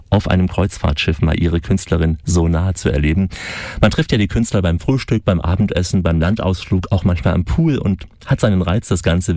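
A man narrating a documentary report in a calm, measured way. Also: low voice, no room sound, studio quality.

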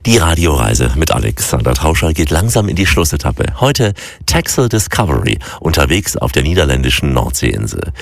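A man hosting a radio travel program, interviewing guests and narrating in a smooth, measured presenter manner. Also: very deep voice, very animated. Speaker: radio travel show host.

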